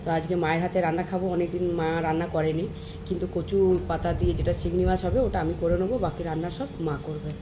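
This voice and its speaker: A woman chatting to viewers in a casual daily vlog, speaking softly because of a sore throat. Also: on the low side, steady tone, racing. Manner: chatty, addresses viewers directly. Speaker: vlogger. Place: home and outdoors, moving around. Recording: noisy phone recording.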